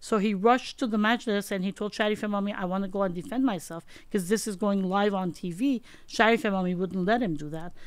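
A woman's very fast speech with ordinary pitch variation and a dry sound with no echo. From Iran. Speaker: political activist; podcast guest. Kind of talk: political discussion. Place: studio. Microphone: studio mic.

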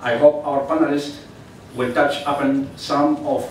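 A man's flat, monotone delivery at a fairly slow pace, with audible room echo and light background noise. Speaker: professor and moderator. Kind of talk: formal moderation. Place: hall.

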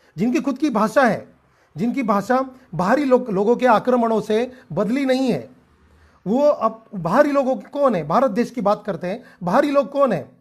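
Against a quiet background, the speaker uses ordinary pitch variation and leaves long, frequent pauses. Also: man, extremely high pitch for a man. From Maharashtra, India. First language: Gondi (speaking Hindi). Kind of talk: speech to online audience. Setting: live stream. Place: home room. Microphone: earbuds.

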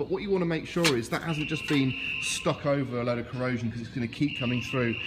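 A man talks at a very fast pace with ordinary pitch variation while loud background noise plays behind him. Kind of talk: tutorial. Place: garage. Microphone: phone near.

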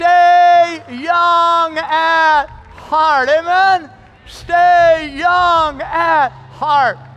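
Over crowd noise in the background, a man speaks at a very slow pace with an extremely high pitch. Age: 50s. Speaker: pastor. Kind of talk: sermon. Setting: church. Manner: animated. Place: church.

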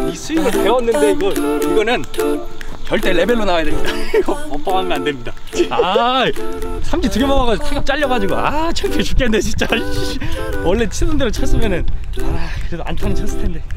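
The speaker goes at a fairly quick pace over loud background music, and the sound is dry with no echo. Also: man. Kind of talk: casual chat to camera. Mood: embarrassed, laughing. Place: stadium.

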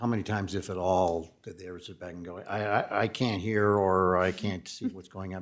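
In a very clean recording with a silent background, a man with an American accent speaks at a very deep, low pitch with fairly even intonation. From Pittsburgh, US. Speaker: city council member. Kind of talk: council meeting discussion. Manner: loud.

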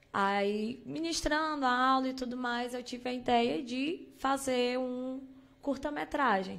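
A high-pitched woman's voice at a very slow pace with ordinary pitch variation. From Ceará, Brazil (Alto Santo); Ceará, Brazil. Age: 20s. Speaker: teacher and actress; teacher, actress. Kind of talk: casual interview. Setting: studio. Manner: animated. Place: studio. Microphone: studio mic.

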